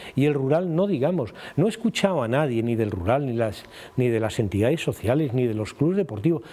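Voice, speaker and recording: Fairly quick in pace, the voice has a dark, mellow tone and very wide pitch swings. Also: man, medium pitch for a man. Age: 60s. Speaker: mayoral candidate, politician. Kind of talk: TV interview. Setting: TV studio.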